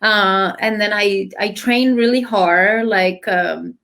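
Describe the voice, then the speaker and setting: A woman with an Argentine accent, a dancer guest telling her story in a relaxed, chatty interview, full of fillers. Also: mid-range voice, slow pace, vocal fry. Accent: Argentine Spanish. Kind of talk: casual interview chat.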